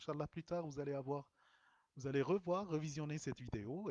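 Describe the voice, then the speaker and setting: A man with a fairly high pitch is captured in a dry, close sound with no echo. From Algeria. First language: Tamazight and Arabic (speaking French). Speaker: writer and language teacher. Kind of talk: live stream Q&A reading comments. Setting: live stream. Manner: hesitant, many fillers.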